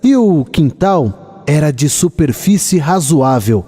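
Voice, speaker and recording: Slow, bright-voiced Brazilian male storyteller. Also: a little high, big pitch swings, husky. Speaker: narrator of a radio drama. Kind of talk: scripted literary storytelling narration.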